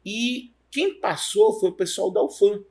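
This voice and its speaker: Husky-voiced Amazonian professor, halting. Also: male voice, high voice, darkish tone. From Amazonas, Brazil. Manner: rambling, halting storytelling with restarts. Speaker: university professor, guest. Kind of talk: relaxed career interview.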